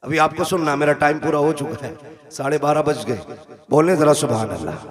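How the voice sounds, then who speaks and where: A man's voice: on the high side, fairly quick. A male preacher giving a sermon on stage into a microphone, telling stories and coaxing the crowd to call back. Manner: storytelling that keeps urging the crowd to call out. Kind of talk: sermon at a live religious gathering. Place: stage at a large gathering with a PA system.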